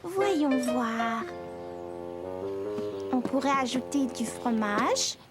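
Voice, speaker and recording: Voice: high voice, animated, very slow, heavily acted. A performer voicing a friendly, playful little girl in a French cartoon, with a cheerful, chirpy manner. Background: music.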